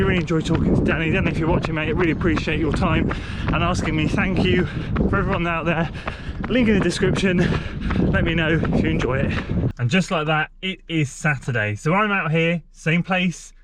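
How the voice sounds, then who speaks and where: A man's voice: on the high side, heavy background noise. A man vlogging casually outdoors on forest trails, upbeat and chatty as he talks through his running plans. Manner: upbeat, chatty, matter-of-fact. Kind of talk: casual vlog talk to camera.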